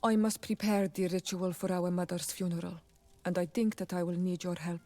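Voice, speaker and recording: Game role: young tribal healer woman played by an actress, lowish voice, solemn and devoted, speaks carefully. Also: little pitch movement, moderate pace, warm tone, long reverb tail, faint music behind, natural voice. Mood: hopeful request. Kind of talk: video game voice acting.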